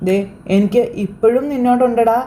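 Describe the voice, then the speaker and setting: A woman voicing a tender, motherly older woman teacher in a retold TV serial scene, speaking slowly and affectionately. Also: a little high, fairly even intonation, mellow, a little hiss or hum, close to an everyday voice. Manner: slow, affectionate coaxing.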